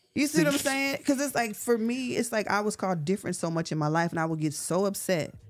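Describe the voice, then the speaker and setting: An animated woman's voice at medium pitch, very fast with hardly any pauses and very wide pitch swings, over music in the background. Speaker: guest co-host. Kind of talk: casual chat. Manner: strong, forceful tone.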